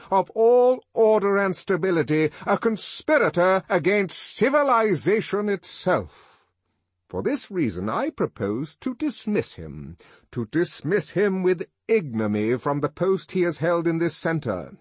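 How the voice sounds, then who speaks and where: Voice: medium pitch, husky, dry recording, voice pushed up. A reader voicing a pompous middle-aged male director who declaims sternly, majestically and indignantly, in the manner of an audiobook.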